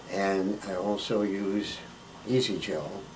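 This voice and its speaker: The recording has audible room echo and noticeable background noise. The speaker is a man with a fairly low pitch. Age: 80s+. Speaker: dental patient. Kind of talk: interview testimony. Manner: hesitant with frequent fillers.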